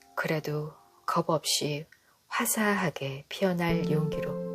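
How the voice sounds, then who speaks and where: Over music in the background, a woman with a very deep, low pitch speaks in a calm tone at a very slow pace with ordinary pitch variation. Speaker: audiobook narrator. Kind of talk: audiobook reading, sleep-time book narration. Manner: soft, calm, slow.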